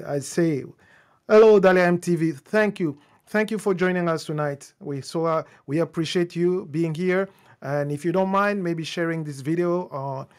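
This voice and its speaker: A man whose first language is French, hosting a live-streamed tech talk in English, speaking off the cuff with restarts and fillers while greeting viewers. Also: a little high. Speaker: host.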